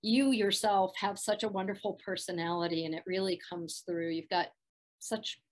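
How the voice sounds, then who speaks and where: A middle-aged woman with a soft, soothing voice, chatting as a guest in a video-call interview from a room at home, laughing often. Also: mid-range voice, fairly even intonation, normal speed. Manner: warm, laughs often, thoughtful. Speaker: voice actress guest.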